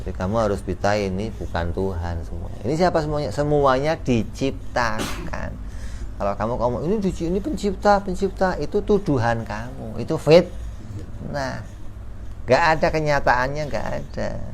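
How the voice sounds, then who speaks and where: A man's voice: medium pitch, normal speed. Guy with teaching a religion class, jokey, acts out back-and-forths, faint hiss behind. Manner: lively, joking, slangy, acts out dialogues. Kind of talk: casual religious study lesson. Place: study gathering room.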